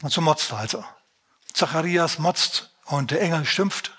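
Man, preacher, sermon, husky voice, fairly high pitch, talks straight to the congregation, rhetorical questions. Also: a little slow. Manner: lively, conversational, addresses congregation directly with rhetorical questions.

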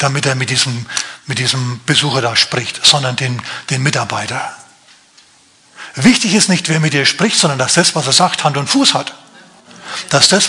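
Lively dramatizing male preacher. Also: medium pitch. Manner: lively, dramatizing, direct address. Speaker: pastor. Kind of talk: storytelling sermon.

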